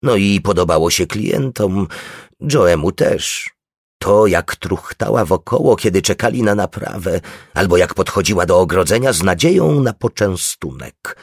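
A man narrating an audiobook in a slow, measured reading voice, with a slightly husky tone. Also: low voice, expressive, dry recording, studio quality.

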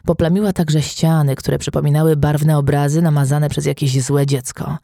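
A man narrating a crime novel audiobook in a steady, even storytelling manner. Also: on the high side, normal speed, gravelly, no room sound, studio quality.

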